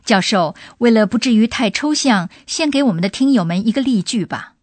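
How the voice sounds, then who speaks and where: A woman's voice: on the high side, animated, a little fast, a little mellow, no room sound. A woman hosting a radio language lesson, prompting the professor with questions and giving examples. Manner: inquisitive, prompts the expert with questions. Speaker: host.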